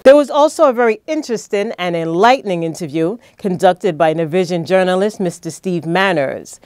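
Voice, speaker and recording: A young woman presenting the news in a measured, formal read. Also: on the low side, lively intonation, darkish tone, clear, resonant tone, dry recording, clean studio sound. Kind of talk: scripted news narration. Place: small studio.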